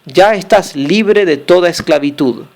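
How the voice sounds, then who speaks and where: A man voicing a wealthy merchant master who scolds and curses his slave in anger, with slow, heavy stresses. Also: sits high, a little mellow. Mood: furious.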